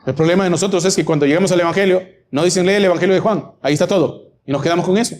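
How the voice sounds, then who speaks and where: A man's voice: high-pitched, racing, darkish tone. A man preaching a Bible-teaching sermon, emphatic and full of rhetorical questions.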